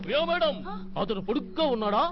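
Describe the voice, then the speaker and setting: An actor dubbing a cowardly, superstitious male jungle helper in an excitable, jittery manner. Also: very high-pitched, quick pace. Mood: spooky. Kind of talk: Telugu film dub. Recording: dull film dub with music underneath.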